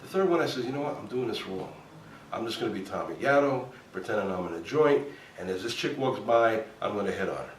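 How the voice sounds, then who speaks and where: With a voice on the low side and a quick pace, a New Jersey man who went from police work to acting animatedly recounts stories in casual talk, playing out people's lines. The recording comes from an echoey room, slightly distant from the mic, with faint background noise.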